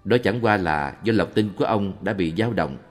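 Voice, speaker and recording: A man reading a monk's answers aloud in a calm, measured Buddhist question-and-answer recording. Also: low-pitched. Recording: long reverb with faint background music.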